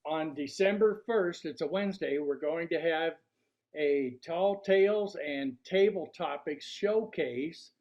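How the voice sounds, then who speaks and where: An older man giving a prepared club workshop talk in a deliberate, showman-like way, posing rhetorical questions. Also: on the high side, a little mellow. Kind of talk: prepared public speech to a club audience. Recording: dull, lo-fi sound.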